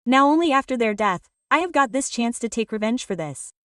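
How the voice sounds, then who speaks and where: A woman's voice: a little high, expressive, brisk, fairly bright tone, dry recording. A woman reading a sarcastic scheming aunt. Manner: sarcastic, cold. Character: scheming bitter middle-aged aunt, sarcastic. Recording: slightly distant, dry recording.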